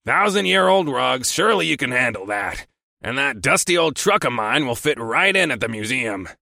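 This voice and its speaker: A man's voice: medium pitch, lively intonation, moderate pace, vocal fry, pushed and bright, no echo. A harsh, rusty growl of a boss, impatient and snide, clipping his words short. A man acts him out in a dry, close sound. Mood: curt, snide. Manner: curt, snide. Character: gruff impatient male trucking boss.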